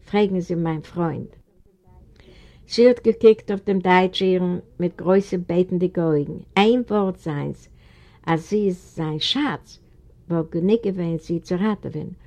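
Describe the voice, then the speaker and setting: A woman from Eastern Europe narrates a storybook in a low, gravelly voice. Her reading is steady and deliberate. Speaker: audiobook reader.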